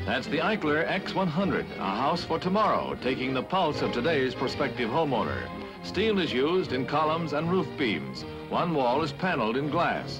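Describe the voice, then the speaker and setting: Clear music plays behind a man speaking at a moderate pace. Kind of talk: 1950s newsreel narration. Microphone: old recording.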